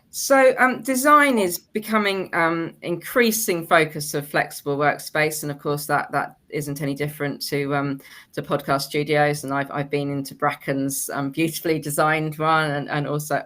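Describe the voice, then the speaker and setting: A woman's voice: deep voice, steady tone, moderate pace, fairly bright tone. A woman moderating a webinar panel as host, putting questions to guests and often rephrasing them tentatively.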